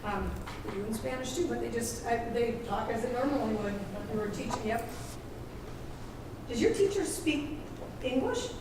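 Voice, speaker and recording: A woman's voice: a little high, animated, normal speed, long pauses. A woman leading a tour of an elementary school, talking in a chatty, upbeat way. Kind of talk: casual tour talk. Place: school hallways and classrooms. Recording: echoey school rooms from a distance with noise.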